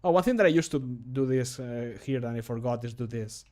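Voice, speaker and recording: A man's voice: medium pitch, a little fast, a little mellow. A man, around his thirties, chatting casually on a livestream while he works, self-deprecating and often muttering to himself. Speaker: game modder recording his own voice lines, streamer. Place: indoor room at a computer desk.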